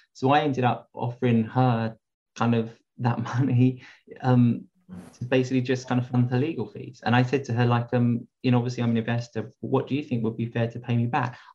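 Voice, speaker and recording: A man talks at a fairly quick pace in a medium pitch, somewhat breathy. His intonation is monotone and flat. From East Anglia, England. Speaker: property investor and author. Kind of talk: interview guest.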